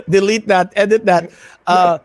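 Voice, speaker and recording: An American man of Filipino family, with a higher voice, chats casually on an online video livestream, mixing English and Tagalog. He is animated and self-deprecating but halts when he switches into Tagalog. The sound is dry, with no room tone.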